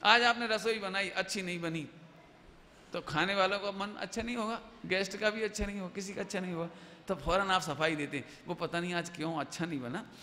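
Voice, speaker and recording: A male preacher giving a lively sermon-lecture, asking the audience questions and acting out everyday examples. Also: high voice, brisk. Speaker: Jain preacher. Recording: echoey hall, faint background noise.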